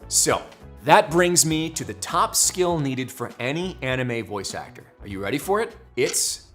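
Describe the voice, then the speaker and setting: A man's voice: mid-range voice, animated, measured pace, fairly bright tone, soft background music. A man, a voice actor, giving a scripted tutorial with wry, jokey asides and emphatic explanations. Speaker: voice actor teaching anime dubbing.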